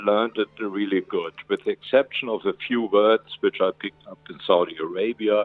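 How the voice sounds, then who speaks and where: At a moderate pace, a man talks with a German accent. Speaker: ambassador. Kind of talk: interview. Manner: halting.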